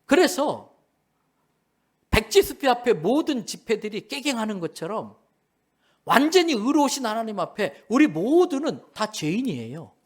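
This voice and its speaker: High-voiced preaching man. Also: sing-song, moderate pace. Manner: emphatic preaching, acts out voices of people in his stories. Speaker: pastor. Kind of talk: sermon.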